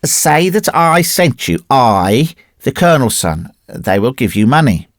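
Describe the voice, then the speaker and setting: A man's voice: medium pitch, sing-song, a little slow, no room sound, studio quality, pitched above the performer's own voice. A man voicing a brave, imperious six-year-old boy in a storybook reading, earnest and solemn. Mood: commanding. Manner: commanding, childishly solemn.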